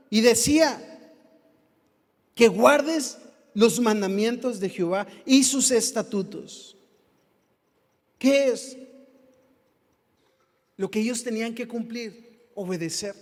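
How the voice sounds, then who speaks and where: High-voiced Mexican preacher in reverb. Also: male voice, takes it slowly, pauses often. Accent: Mexican Spanish. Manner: fervent, asks the congregation rhetorical questions. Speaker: pastor. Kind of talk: sermon. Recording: long hall reverb.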